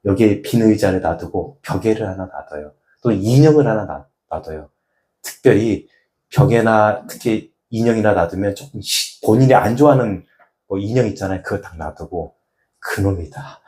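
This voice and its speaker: A male pastor giving a sermon in a folksy, animated way, breaking into laughs and acting out little examples. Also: lowish voice, moderate pace. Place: church hall. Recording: echoey hall.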